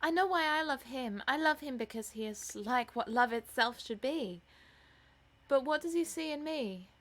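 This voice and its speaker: A woman's voice: high-pitched, animated, normal speed, fairly bright tone, pitched above the performer's own voice. A woman voicing an ardent, dreamy young actress in love in an audiobook, with gushing exclamations. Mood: rapturous, proud. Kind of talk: audiobook character voice.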